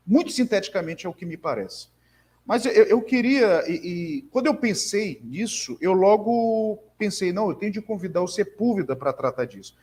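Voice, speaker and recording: A Brazilian man speaking in a slightly raised register, earnest and emphatic about his convictions. He speaks haltingly, stumbling over repeated words and restarting his sentences as he thinks aloud in a relaxed conversation. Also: high-pitched. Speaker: conversation partner, bookseller. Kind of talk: conversational discussion.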